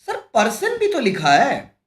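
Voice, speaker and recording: A man's voice: very high voice, huge pitch swings, a little slow, exaggerated voice. A man putting on the voice of an eager young student asking questions in class, in an echoey room. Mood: curious. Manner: earnest questioning.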